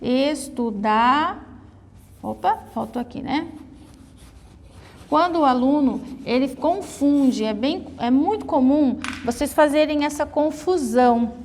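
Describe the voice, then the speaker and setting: A Brazilian woman teaches grammar to her class at an unhurried pace, often pausing to check that her students are following. Her voice sits high. The recording carries a long, lingering reverb. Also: a little mellow. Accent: Brazilian Portuguese. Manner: explains slowly, repeating and checking with "né?" and "tá?". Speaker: Portuguese teacher.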